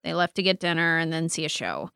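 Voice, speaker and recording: A woman's voice: low-pitched, big pitch swings, fast, vocal fry, pushed and bright, clean tone, no room sound, clean studio sound, full character voice. A woman playing a guarded, sarcastic young woman in an audio drama, speaking in a curt, defensive way.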